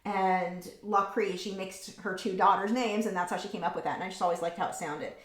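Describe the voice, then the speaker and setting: Woman, art teacher, live painting lesson, casual chat, mid pitch, echoey room. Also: steady tone, brisk. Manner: casual, chatty, reading viewer comments aloud. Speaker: art instructor.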